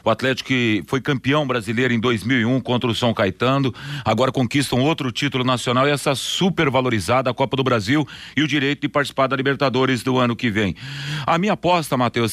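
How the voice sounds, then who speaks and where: A man's voice: mid-range voice, lively intonation, fast talker, fairly bright tone, dry recording. A man with a Brazilian accent analysing a football match as a sports radio commentator.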